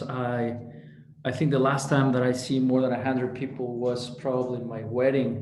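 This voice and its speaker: Audible room echo surrounds a man speaking at a fairly slow pace in a medium pitch. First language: Spanish. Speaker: psychiatric researcher and clinician. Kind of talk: lecture. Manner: halting.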